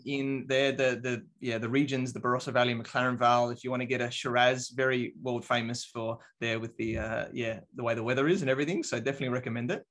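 A relaxed Australian man in his thirties talks casually as a podcast guest. He leans on fillers as he tells his story, in a voice of middling pitch. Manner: relaxed, many fillers like um and you know. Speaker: business coach guest. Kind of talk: casual interview chat.

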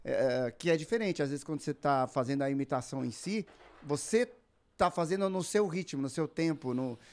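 A man's voice: a little high, a little fast. A Brazilian man, a voice actor, telling stories in a casual podcast chat and laughing often. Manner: animated storyteller, laughs often.

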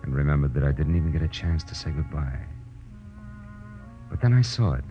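An American actor playing a hard-boiled, wry and quietly wistful private detective in a 1940s radio drama, laconic and dry. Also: male voice, rumbling low, expressive, a little fast. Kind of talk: 1940s radio detective acting, first-person narration. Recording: muffled vintage radio broadcast, prominent music.

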